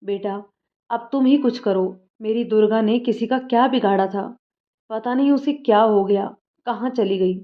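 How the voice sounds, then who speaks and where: A woman's voice: on the high side, normal speed, lightly acted. A woman voicing a worried, scolding village mother, on slightly dull audio. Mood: pleading. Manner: scolding, fretful.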